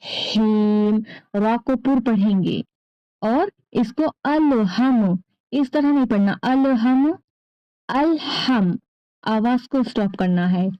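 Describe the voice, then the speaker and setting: A woman teaching young children to recite, drawing out syllables slowly and patiently. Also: fairly high pitch, no room sound, dull audio. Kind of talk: slow recitation lesson with repetition.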